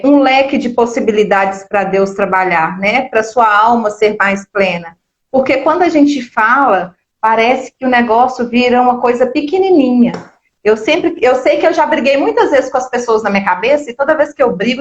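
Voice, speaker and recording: A woman co-hosting a Catholic book club, talking earnestly with many fillers and repeated words. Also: fairly high pitch. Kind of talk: casual religious discussion. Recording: echoey, somewhat dull online stream.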